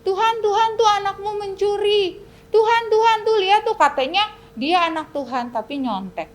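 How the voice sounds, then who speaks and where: A woman's voice: very high-pitched, moderate pace, pitched above the performer's own voice. A woman voicing a sneering devil who tattles on children in a singsong, repetitive way. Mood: accusing.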